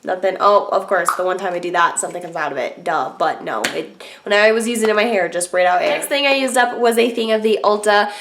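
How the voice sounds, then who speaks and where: A woman's voice: mid-range voice, fast, background noise. A young woman with a stuffy, congested voice, chatting casually through a product review with lots of filler words. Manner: chatty, filler-heavy, frank opinions. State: congested from a cold. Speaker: beauty vlogger.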